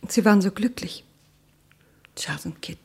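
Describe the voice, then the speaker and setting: A woman acting a shocked, grieving friend in a radio crime drama, her voice breathy and half-whispered. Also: mid-range voice, expressive, moderate pace, a little mellow.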